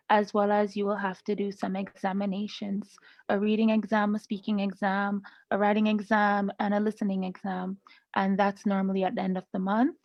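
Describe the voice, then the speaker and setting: A woman's voice: mid-range voice, no echo. A woman teaching a live online class, chatty and laughing often with students over a video call. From Canada. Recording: slightly muffled dry video-call audio.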